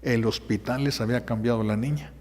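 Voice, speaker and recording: A priest preaches in a relaxed, conversational manner, stumbling through fillers and slipping into voices for the people in his stories. His voice sits at a middle pitch for a man, and a long reverb trails every phrase as in a large church. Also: brisk. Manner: conversational, hesitant fillers, acts out quotes. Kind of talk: sermon.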